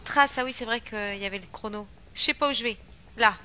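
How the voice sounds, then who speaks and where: Young woman from France, horror game commentary, bright voice, excitable, faint room noise. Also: fairly high pitch, a little fast. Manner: excitable, chatty, swings between shrieks and mutters. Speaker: gaming streamer. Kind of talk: casual let's-play commentary.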